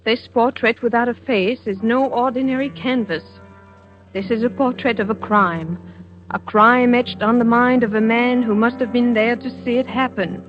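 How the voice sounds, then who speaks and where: An actress playing a weary, frightened wife in a 1940s radio drama, speaking in a tense, reluctant way. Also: female voice, a little high, steady tone, moderate pace, faint music behind, natural voice. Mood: reading tense. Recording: dull old radio broadcast.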